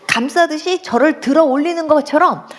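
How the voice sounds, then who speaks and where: A woman's voice: high-pitched, brisk. A woman pastor telling her conversion testimony in a sermon, acting out her own past pleading prayers with strong emotion.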